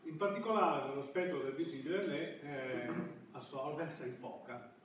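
Here a university lecturer, a middle-aged man with a rather high voice, hesitates and trails off mid-word while teaching an indoor classroom. Recorded by a distant camera at the room's back, it has echo and background noise.

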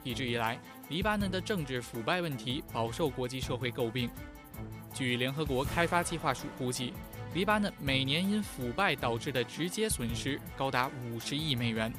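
A man reading formal, scripted news narration in a measured voice-over. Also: medium pitch, expressive. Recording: voice-over with loud music.

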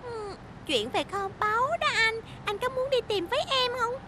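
Squeaky, pushy little girl bus. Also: expressive, normal speed, sharp tone, slight background noise, full character voice. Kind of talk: animated children's cartoon dubbing.

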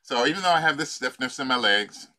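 Bright-voiced older man coaching, laughing. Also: mid-range voice, lively intonation. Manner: playful, laughing, halting with many fillers. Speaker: life coach. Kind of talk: guiding a tapping session on a video call. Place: home room. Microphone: video call.

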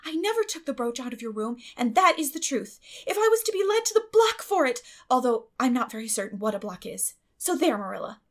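Woman voicing an earnest, high-pitched little orphan girl. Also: sing-song, fairly quick, hardly any pauses, exaggerated voice. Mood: defiant, solemn. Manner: emphatic, solemn protesting. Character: earnest, dramatic little orphan girl, defiant yet meek.

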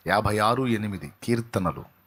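A man's voice: fairly low pitch, animated, moderate pace, breathy edge. Impassioned man preaching a sermon. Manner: impassioned, swinging between loud exclamations and soft pleading appeals; repeats phrases for emphasis. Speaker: pastor.

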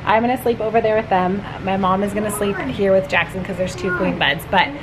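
A woman's voice: medium pitch, brisk, crowd noise, rough recording. A woman in her thirties chatting upbeat to the camera on a family road trip vlog, filmed at arm's length inside a car. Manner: chatty and upbeat, lots of fillers. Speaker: family vlogger. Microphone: handheld camera at arm's length. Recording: loud car noise. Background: road and engine noise.

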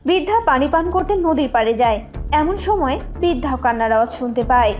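A woman with a high voice narrates a scripted cartoon story. The recording is dull and lo-fi, with loud music behind her. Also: expressive, fairly quick.

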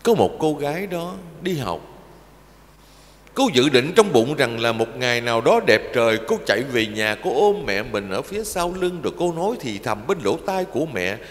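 An older man, a Buddhist monk, giving a fervent sermon that shifts into slow, sing-song recited verse and speaks to listeners as his children. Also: mid-range voice, very animated. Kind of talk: emotional Dharma talk with recited verse. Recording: long reverb of a large hall.

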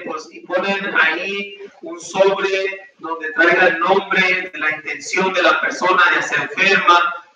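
Young priest in an echoey chapel. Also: male voice, high-pitched, sharp tone. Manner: informal, many fillers between the prayers. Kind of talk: celebrating mass and giving announcements. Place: small chapel with altar, indoors. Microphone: far camera. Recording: echoey room from far off, faint noise.

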